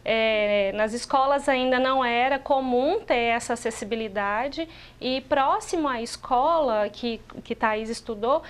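A woman's voice: fairly high pitch, unhurried, hardly any pauses, clear, resonant tone. A woman in her forties, a sign language interpreter, speaking steadily and explaining on a TV talk show, recorded in a studio on a lapel mic. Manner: steady, explanatory, with frequent restarts. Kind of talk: TV talk show guest, voicing a deaf guest's answers.

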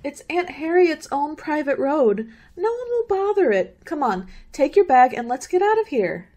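A woman's voice: sits high, big pitch swings, moderate pace, mellow. A woman playing a chipper, dismissive, stubbornly optimistic young college student in a radio play. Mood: brisk, impatient.

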